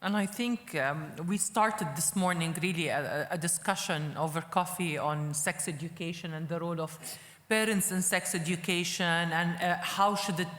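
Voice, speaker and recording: Low-voiced woman moderating a panel. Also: normal speed, hardly any pauses, fairly bright tone, echoey room, in a large hall. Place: conference hall.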